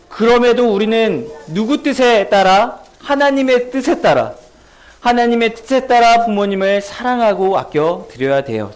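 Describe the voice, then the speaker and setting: Brief: male children's pastor, high and sing-song, storytelling sermon full of questions for kids. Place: church children's service.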